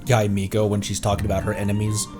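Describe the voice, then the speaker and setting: A man doing casual live gameplay commentary in an animated, halting way, exclaiming often. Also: on the low side. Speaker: livestreamer, VTuber. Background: game music.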